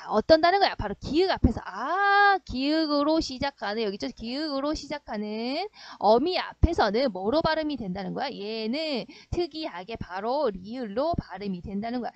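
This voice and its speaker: A woman's voice: sits high, dry recording, lo-fi sound. Dry-sounding woman teaching grammar. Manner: explains step by step with frequent check-in questions. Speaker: middle school Korean teacher. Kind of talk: online grammar lesson.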